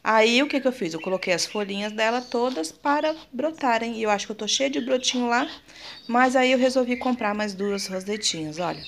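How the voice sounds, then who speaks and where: A woman's voice: a little high, expressive, a little fast, gravelly, slight background noise. A woman with a Brazilian Portuguese accent gives a casual show-and-tell vlog. She is chatty and affectionate, uses lots of diminutives, and keeps turning to her viewers. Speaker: plant vlogger.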